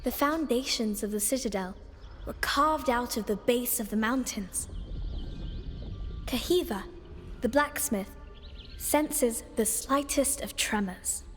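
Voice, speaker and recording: High-voiced, eager young girl scholar. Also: takes it slowly, pauses often. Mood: curious, earnest. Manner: eager, friendly, earnest. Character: bright, curious, bookish young girl scholar. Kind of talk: video game voice acting. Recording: long reverb, faint music behind. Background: faint game music.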